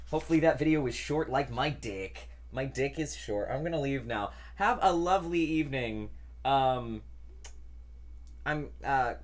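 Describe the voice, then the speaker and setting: A young trans man chatting casually in a weekly vlog, rambling and self-deprecating, with a deep voice that doesn't carry. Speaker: vlogger.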